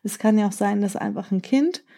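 A woman's voice: mid-range voice, a little fast, dark tone. A woman hosting a children's podcast, reading a story aloud and then explaining its lesson in plain words with some fillers.

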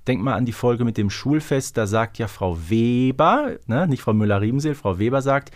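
A man's voice: mid-range voice, expressive, moderate pace. A man from Germany's Ruhr area hosting a podcast in a casual, chatty style. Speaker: podcast host. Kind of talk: casual chat.

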